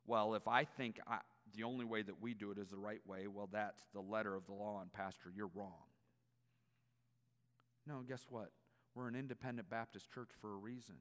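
A man's voice: fairly low pitch, fairly even intonation, moderate pace. A man preaching a church sermon as a guest, with an emphatic delivery. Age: 40s. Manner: emphatic, swinging from quiet asides to loud exclamations. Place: church auditorium. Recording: long echo of a large hall.

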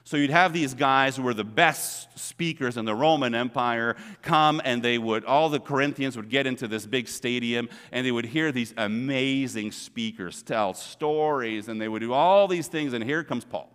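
A man's voice: medium pitch, moderate pace, hardly any pauses, fairly bright tone, smooth. A middle-aged man preaching a sermon as pastor, earnest and conversational, stressing points by repeating words. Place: church sanctuary. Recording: long reverb of a church hall.

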